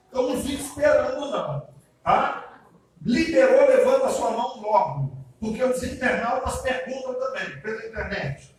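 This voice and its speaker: A man preaching as pastor, chatty and speaking straight to the congregation with frequent check-in questions. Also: extremely high pitch. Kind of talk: sermon, question and answer service. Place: church hall. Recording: very echoey church hall, heard from a distance with faint noise.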